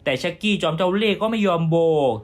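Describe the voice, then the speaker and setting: A man's voice: high voice, fast. A man giving a scripted narration that recaps a horror series episode by episode.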